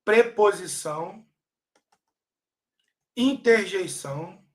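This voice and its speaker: A Brazilian Portuguese-speaking man teaching an online grammar lesson for an exam, stressing key words loudly and checking in often with his students. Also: high voice, animated, extremely slow.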